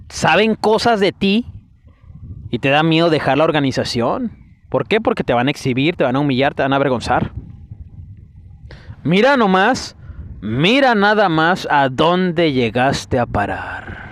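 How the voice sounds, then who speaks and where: A man preaching a fiery sermon, scolding and firing off rhetorical questions. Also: fairly high pitch. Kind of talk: denunciatory sermon.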